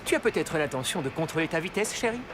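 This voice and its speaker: Pompous, timid cartoon dad, very animated pitch, loud music underneath. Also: male voice, quick pace. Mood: jolly. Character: boastful, timid middle-aged cartoon dad. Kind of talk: French cartoon dub.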